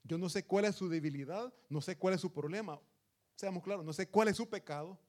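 A man delivers a sermon in an earnest, emphatic way, calling his listeners brothers. His voice sits somewhat higher than most men's. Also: fairly quick, a little mellow. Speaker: preacher.

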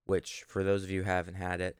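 A man's voice: sits low, monotone, fast, clean tone, no room sound, studio quality. A man co-hosting a podcast, telling stories in a casual, informal, mildly profane way. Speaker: podcast co-host. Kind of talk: casual podcast chat and storytelling.

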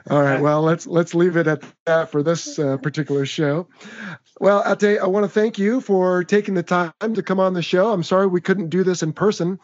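A man's voice: high-pitched, steady tone, moderate pace, highs cut off. Upbeat American man hosting a podcast. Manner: upbeat, chatty, wrapping up the show. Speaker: podcast host. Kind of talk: casual podcast chat.

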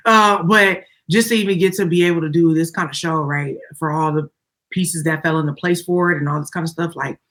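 A woman with a fairly low voice and an African American English accent. She hosts in a casual, motivational chat style. She is emphatic, repeating phrases and often checking that the listener follows. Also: steady tone, a little fast, a bit bright. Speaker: podcast host.

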